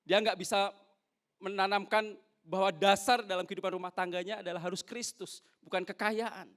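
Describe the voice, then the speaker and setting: A young male pastor preaching a sermon in church, lively, acting out little exchanges between husband and wife. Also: sits high, normal speed. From North Sulawesi, Indonesia. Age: young adult.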